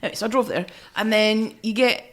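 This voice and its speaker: A woman co-hosting a podcast, telling anecdotes casually in an effusive, expressive way. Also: medium pitch, quick pace. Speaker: podcast co-host.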